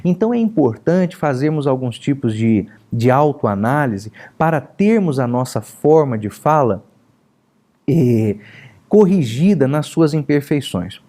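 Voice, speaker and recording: Brazilian pastor guy teaching a class, countryside são paulo accent, mellow voice, gets loud and animated. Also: unhurried. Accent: São Paulo countryside Brazilian Portuguese. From São Paulo state, Brazil. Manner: lively and emphatic, with sudden pitch jumps. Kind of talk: recorded lesson.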